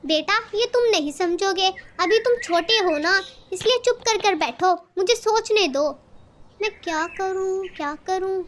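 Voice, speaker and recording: Cartoon mother crow, heartless and grumbling, a woman voicing her, very high voice. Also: expressive, moderate pace, hardly any pauses, slight background noise. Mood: cold. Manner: complaining, cold.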